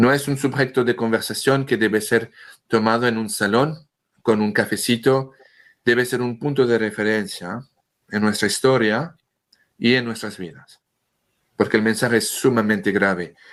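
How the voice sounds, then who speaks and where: A man with a French accent, medium pitch and ordinary pitch variation, pausing long and often over a quiet background. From France. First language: French (speaking Spanish). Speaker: religious speaker on Marian apparitions. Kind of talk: interview. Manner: slow; halting.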